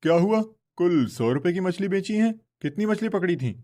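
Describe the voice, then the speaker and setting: This is a bossy older village boss in a cartoon, barking orders and accusing people of cheating, as a man puts him on. The voice sits noticeably higher than usual and is pushed louder. The delivery is scolding and impatient. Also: animated, moderate pace. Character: stern older male fish-pond boss. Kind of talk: Hindi cartoon voice acting.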